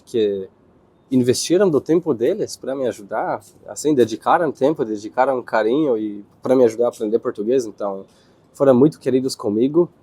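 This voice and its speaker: A young man from Israel with an Israeli accent, answering interview questions in his second language, pausing and searching for words. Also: mid-range voice, warm tone, no echo. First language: Hebrew. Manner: hesitant, searching for words, with restarts.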